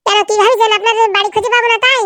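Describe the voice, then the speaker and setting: A squeaky young cartoon character, chatters in an extremely high, childlike voice. The delivery is quick and bickering, and the recording is dry and close. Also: female voice, steady tone, pushed and bright, dry recording. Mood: chatty. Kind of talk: comedy cartoon dialogue.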